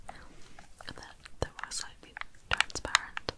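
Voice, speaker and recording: A woman whispering at a very slow pace. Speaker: ASMR artist. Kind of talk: ASMR video. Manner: whispered. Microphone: studio mic.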